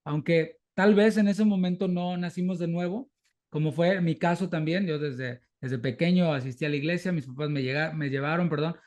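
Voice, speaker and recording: A man with a Mexican Spanish accent and a slightly raised pitch talks things through as an interviewer. He speaks thoughtfully, restarting phrases and repeating words as he feels his way toward each point. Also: darkish tone. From southern Mexico. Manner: thoughtful, halting, many false starts. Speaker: church interviewer. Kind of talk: conversational interview, reflective.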